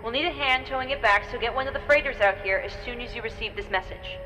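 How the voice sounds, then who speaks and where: A woman playing a steady, caring space crew leader in a sci-fi audio drama. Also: on the high side, fast, in a large hall, background noise, close to an everyday voice. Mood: businesslike.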